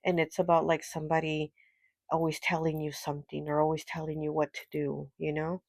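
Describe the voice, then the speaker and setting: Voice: mid-range voice, monotone, brisk, vocal fry, no room sound, rough recording. A tarot reader with a stuffy, nasal voice from a cold, doing a casual, chatty card reading with lots of fillers and small laughs. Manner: chatty, rambling, frequent fillers and little laughs.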